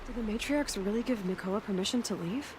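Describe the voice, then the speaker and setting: A woman's voice: medium pitch, fairly quick, background noise, close to an everyday voice. A woman voicing a young, tough and curious tribal huntress in a video game, dry and determined in manner. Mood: matter-of-fact.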